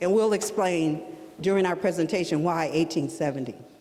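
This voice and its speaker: Noticeable background noise sits behind this recording. A woman speaks at a moderate pace with lively intonation. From Michigan (Ann Arbor). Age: 70s. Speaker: genealogy presenter. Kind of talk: presentation to public meeting.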